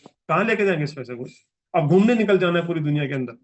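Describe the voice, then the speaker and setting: A man's voice: a little high, animated, fast. A man in his forties giving a motivational business training speech, emphatic and repetitive as he exhorts the audience. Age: 40s.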